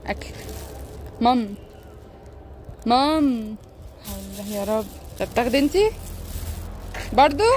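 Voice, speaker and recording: A woman's voice: fairly high pitch, a little slow, pauses often. A woman with an Egyptian Arabic accent vlogging outdoors, chatting and coaxing street animals in a teasing way. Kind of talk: casual vlog narration and talking to street animals. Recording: loud street traffic noise behind.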